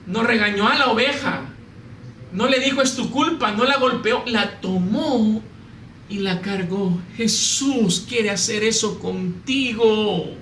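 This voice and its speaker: A man's voice: high-pitched, takes it slowly, a bit bright. A man preaching a sermon as a pastor, telling humorous stories with mimicked voices. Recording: echoey room, slightly distant mic, faint noise.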